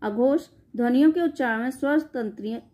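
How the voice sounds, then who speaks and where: A woman teacher with a somewhat high voice works through exam-prep grammar notes. She reads each definition aloud, then restates it informally for her students. She catches and corrects her own slips as she goes. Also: fairly quick, mellow. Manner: reads out definitions, then re-explains them in loose spoken asides; frequent self-corrections and "sorry".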